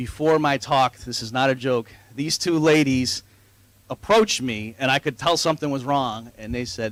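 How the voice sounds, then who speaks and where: A man speaks at a fairly high pitch with ordinary pitch variation, the sound dry and close with no echo. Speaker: economist, keynote speaker. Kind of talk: lecture. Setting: stage with audience. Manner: fast; animated.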